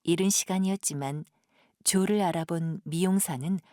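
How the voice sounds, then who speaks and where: A woman professional narrator reading a scripted audio drama in a measured, gentle storytelling manner. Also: lowish voice, dry recording, clean studio sound.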